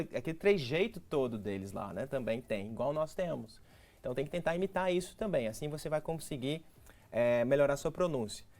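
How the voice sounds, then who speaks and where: A man's voice: on the high side, darkish tone. A Brazilian man with a Brazilian Portuguese accent, an English teacher giving didactic, step-by-step advice as a guest in a TV studio interview. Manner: didactic, explains step by step with practical tips.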